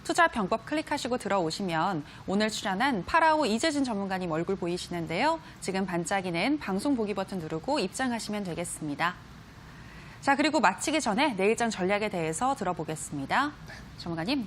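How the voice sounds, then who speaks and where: A woman's voice: medium pitch, expressive, fast, a little hiss or hum. A woman hosting a finance broadcast, introducing segments and closing the show in a polished, scripted announcer style. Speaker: program host.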